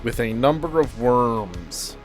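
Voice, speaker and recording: A man's voice: mid-range voice, animated, slow. Male game master for tabletop horror: improvised narration, mid-range voice, faint music underneath.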